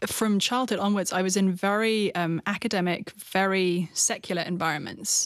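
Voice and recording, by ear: In an English accent, a woman speaks at a medium pitch with fairly even intonation. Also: moderate pace.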